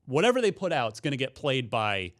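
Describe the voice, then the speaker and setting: A man hosting a casual gaming discussion, haltingly thinking aloud and repeating words as he goes. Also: mid-range voice, very animated, a bit bright. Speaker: gaming show host.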